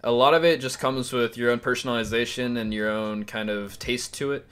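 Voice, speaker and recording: A man's voice: mid-range voice, fairly even intonation, brisk, fairly bright tone, clear, resonant tone. A man hosting a casual video tutorial, upbeat and talking straight to his viewers. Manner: chatty, upbeat, direct to viewers. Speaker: YouTube host.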